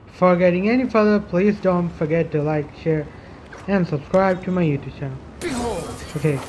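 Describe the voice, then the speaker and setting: A gaming YouTuber giving casual, halting gameplay commentary, often muttering to themselves. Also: medium pitch, darkish tone, slight background noise, poor audio. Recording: faint game music behind.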